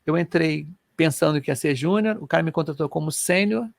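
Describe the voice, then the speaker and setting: A middle-aged man from Rio de Janeiro, telling personal stories in an animated, colloquial way as co-host of a casual chat. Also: fairly high pitch, a little fast, vocal fry, dry recording, clean studio sound. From Brazil. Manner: animated, colloquial, emotional storyteller.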